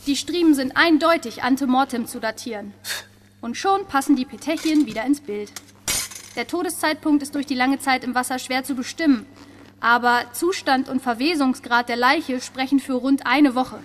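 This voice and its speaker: A woman playing a brisk, dryly teasing forensic pathologist in a crime audio drama, with a clinical manner. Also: high-pitched, slight background noise, natural voice.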